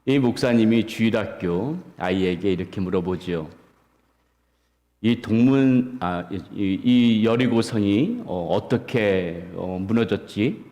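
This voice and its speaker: Low-voiced male pastor in a reverberant church. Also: warm tone. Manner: storytelling with humorous anecdotes, unhurried. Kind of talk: sermon. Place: church sanctuary. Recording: long church-hall reverb.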